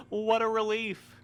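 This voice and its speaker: A man's voice: sits high, fairly bright tone, full character voice. A man playing a formal, weary, wry postmaster in an audio drama, speaking in precise, wordy sentences. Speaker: voice actor in a fiction podcast. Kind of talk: scripted audio drama acting.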